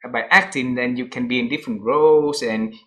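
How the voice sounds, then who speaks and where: A man's voice: medium pitch, a little fast, fairly bright tone. A man interviewing a guest, who restarts his questions and affirms what the guest says.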